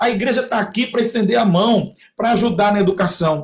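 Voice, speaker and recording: This man has a high-pitched voice. He talks at a fairly slow pace. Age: 40s. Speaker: pastor. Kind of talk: live-stream conversation. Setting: live stream video call. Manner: animated, passionate.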